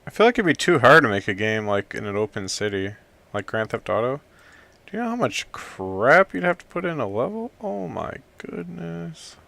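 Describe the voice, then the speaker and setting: A man giving casual commentary while browsing, thinking aloud in an excitable way and often trailing off quietly. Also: lowish voice, brisk. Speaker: hobbyist game developer. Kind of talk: casual screen-recording commentary.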